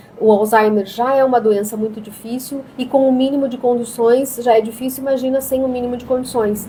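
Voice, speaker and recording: Her voice high and her pitch variation ordinary, a woman speaks at a fairly quick pace over noticeable background noise. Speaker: therapist live-streamer. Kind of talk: live stream Q&A chat. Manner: talkative; hesitant, filler-heavy.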